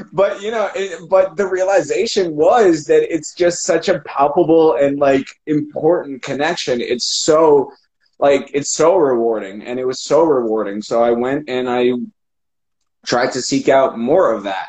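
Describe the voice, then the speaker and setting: A man with a plain, everyday voice talks at a fairly high pitch. His pace is fairly slow and his intonation lively. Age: 30s. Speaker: acting coach. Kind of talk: casual chat. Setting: video call. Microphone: phone held in hand.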